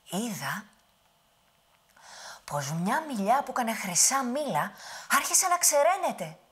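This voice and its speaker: A woman voicing a doting, scolding old witch who is the giant's grandmother, with a husky voice. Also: big pitch swings. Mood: coaxing. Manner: high, loud, scolding and cooing.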